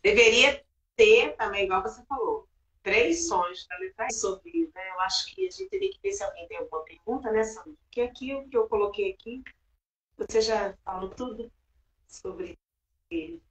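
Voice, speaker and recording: A woman's voice: fairly high pitch, lively intonation, moderate pace, a bit bright. A woman teacher from Rio de Janeiro with a Carioca accent, co-hosting a live video chat in a hesitant, conversational way. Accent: Carioca Portuguese. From Rio de Janeiro, Brazil. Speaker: teacher and co-host. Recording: roomy, dull sound.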